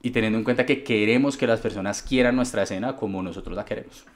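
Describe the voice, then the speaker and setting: A Colombian man with a somewhat low voice chats easily as a guest DJ. He tells stories in a loose, unhurried way, with plenty of fillers along the way. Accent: Colombian Spanish. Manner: relaxed storytelling with frequent fillers. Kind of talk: casual conversational interview.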